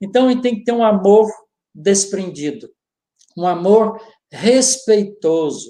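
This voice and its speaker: A man speaks in a high pitch with a dark, mellow tone. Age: 70s. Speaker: spiritist lecturer. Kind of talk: lecture Q&A answer. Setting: spiritist centre with audience.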